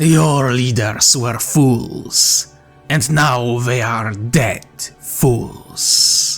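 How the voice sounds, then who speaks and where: A put-on character voice moves at a very slow pace with ordinary pitch variation. Faint music sits in the background. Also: man, medium pitch for a man. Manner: menacing.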